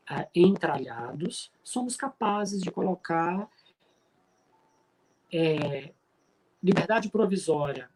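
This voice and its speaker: A middle-aged man from Pará, Brazil, with a regional accent, giving an emphatic, preacher-like spiritist talk with frequent filler pauses. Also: sits high, vocal fry, a little mellow, a little hiss or hum, rough recording. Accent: Brazilian Portuguese from Pará. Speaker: spiritist speaker.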